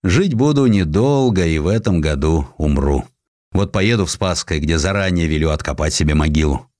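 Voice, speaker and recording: A man's voice: low-pitched, animated, moderate pace, darkish tone, no echo, studio quality. A man reading an audiobook voices a weary, fatalistic Russian general who broods dramatically on his death. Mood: bitter, resigned. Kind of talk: audiobook character acting.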